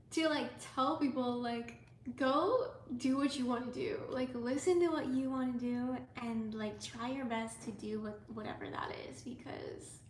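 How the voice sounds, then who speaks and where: A young woman from the United States, hosting a casual livestream as an artist. She talks softly and rambles with lots of "like" and "um", sometimes dropping almost to a whisper. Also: high voice. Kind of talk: casual livestream chat with viewers. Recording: echoey room with faint ambient noise.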